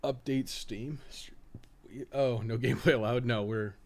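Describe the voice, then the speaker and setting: A man's voice: medium pitch, steady tone, unhurried, a little mellow. A man hosting a casual game livestream, talking half to himself in an offhand, self-deprecating, muttering way. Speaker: livestream host playing a video game.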